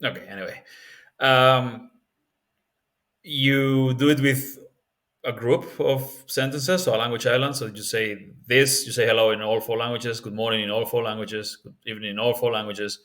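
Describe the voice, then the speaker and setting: A man with a Spanish accent walks through a language tip in an easygoing, off-the-cuff way. He often pauses on fillers and checks in with "yeah?" and "right?". His voice sits at a middle pitch for a man. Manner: relaxed and thinking aloud, with frequent fillers and tag questions. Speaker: language-learning video host. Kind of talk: casual spoken tutorial.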